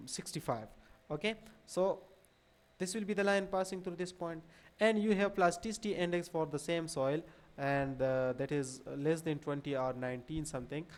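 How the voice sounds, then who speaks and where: A man in his thirties with a South Asian accent giving an explanatory lecture, hesitant and repetitive, with frequent pauses. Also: a little high. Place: small indoor room at a desk.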